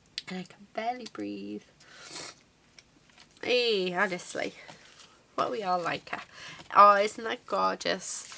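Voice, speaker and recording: A woman with an English accent speaks at a very slow pace. She leaves long, frequent pauses, and her loudness swings widely. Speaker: card-making crafter. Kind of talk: craft tutorial.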